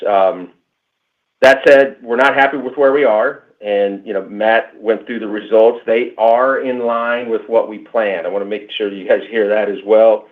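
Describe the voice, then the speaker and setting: Low-voiced male executive on a phone line. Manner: measured, emphatic, with frequent restarts. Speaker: company executive answering analysts. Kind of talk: earnings call answers. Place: conference call line.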